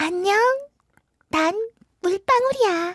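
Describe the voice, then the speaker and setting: Putting on a character voice, a woman talks at an extremely high pitch with lively intonation and a fairly slow pace. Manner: cute.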